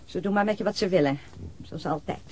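A woman's voice: lowish voice, fast talker, close to an everyday voice. Fretful middle-aged wife played by a woman, noisy recording. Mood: reproachful. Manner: fretful, reproachful. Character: nagging, thrifty middle-aged wife, worried and resentful. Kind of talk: naturalistic radio play acting.

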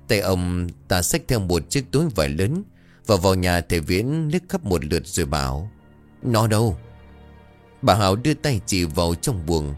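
Deep voiced guy reading a horror story, lots of ups and downs, faint music behind. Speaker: narrator. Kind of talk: scripted horror story narration.

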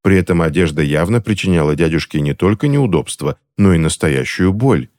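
Brief: male audiobook narrator, bass, highly expressive, theatrical. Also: a little fast. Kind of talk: scripted narration.

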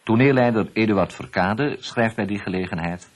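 A male journalist reading scripted documentary narration in a measured, even way. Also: on the low side.

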